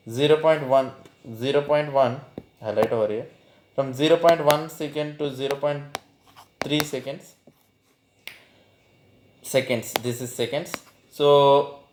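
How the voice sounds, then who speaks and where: A man's voice: a little high, darkish tone. South Asian-accented male teacher, echoey room. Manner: poses student questions and answers them himself; repeats phrases for emphasis. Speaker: physics teacher. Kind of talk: informal spoken lesson.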